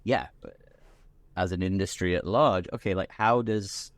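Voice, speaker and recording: A British man, a podcast guest, talking in a relaxed, rambling way with many restarts. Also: deep voice, unhurried, dry recording. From Britain. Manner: chatty, full of restarts and repeated words. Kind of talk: casual chat.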